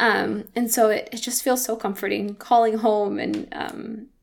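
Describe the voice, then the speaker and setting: A woman with vocal fry and an American accent. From US Northeast (Massachusetts), born in Dominican Republic. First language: Spanish. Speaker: podcast host and startup co-founder. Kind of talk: casual chat.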